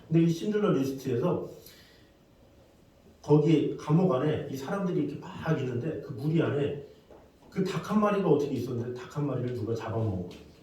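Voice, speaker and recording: Male pastor, children's sermon, lively delivery, dark tone, distant mic in a booming church hall. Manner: acts out story voices, asks the congregation questions. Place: church sanctuary.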